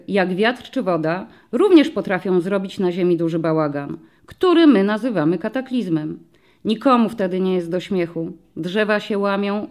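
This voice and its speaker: Woman reading as a friendly cop talking to a class of kids, calm and patient, voice going up and down a lot. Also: mid-range voice, close to an everyday voice. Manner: calm, explaining slowly to children. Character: middle-aged male police commissioner, patient and friendly. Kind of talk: audiobook story reading.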